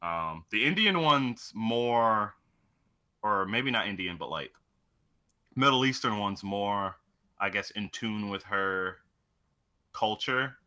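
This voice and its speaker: A man's voice: on the low side, lively intonation, takes it slowly, pauses often, bright, forceful tone. A man chatting casually as co-host of a video game show, swearing freely as he goes. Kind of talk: casual chat.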